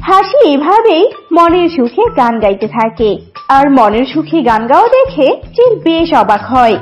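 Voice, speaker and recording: A woman storyteller narrates a children's cartoon. Her voice is high and animated, with soft music underneath. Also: normal speed.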